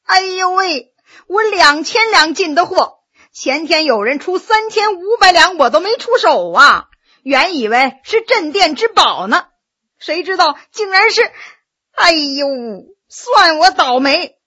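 A woman's voice: extremely high pitch, expressive, moderate pace, sharp tone, exaggerated voice. A woman voicing a fawning, anxious male antique shop owner in a storybook tale, with whining, exclamatory delivery. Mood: dejected, whining. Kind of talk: dramatized storytelling.

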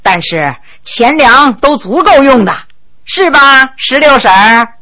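A woman's voice: expressive, takes it slowly, pushed and bright, exaggerated voice. A woman doing a genial, shrewd emperor. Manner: genial, coaxing, lowered voice. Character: male emperor, middle-aged, genial and shrewd.

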